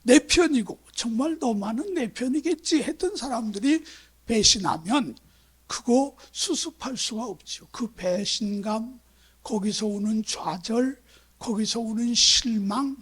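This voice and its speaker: A man's voice: very high-pitched, slightly rough. A man from Chungcheong preaching a sermon as pastor, talking in a conversational, storytelling way and putting rhetorical questions to his congregation. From Chungcheong, South Korea. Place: church sanctuary.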